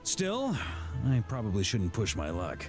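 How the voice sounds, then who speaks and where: An actor voicing a genial, steadfast grandmaster of fantasy knights, easygoing and assured, in scripted game dialogue. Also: male voice, on the low side, wildly swooping pitch, a little slow, darkish tone. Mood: wry, amused. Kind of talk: scripted game character voice lines. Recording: background music under the voice.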